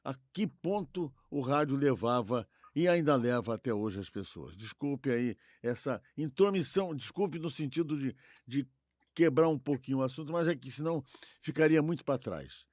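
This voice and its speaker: A man's voice: medium pitch, animated, normal speed, darkish tone, no echo, studio quality. A Brazilian man co-hosting a podcast, casually discussing radio history in a discursive, repetitive way, often seeking agreement. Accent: Brazilian Portuguese. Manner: discursive, repeats himself, seeks agreement with tag questions. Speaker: podcast co-host.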